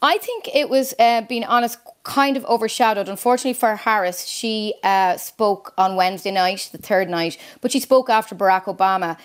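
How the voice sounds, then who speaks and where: A woman giving measured, articulate political analysis as a news correspondent in a conversational broadcast interview. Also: medium pitch, clean tone.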